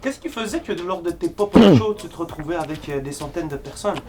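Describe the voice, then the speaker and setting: A man's voice: a little high, expressive, brisk, dark tone. A man, asking short, casual interview questions from away from the mic. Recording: far from the mic, faint music.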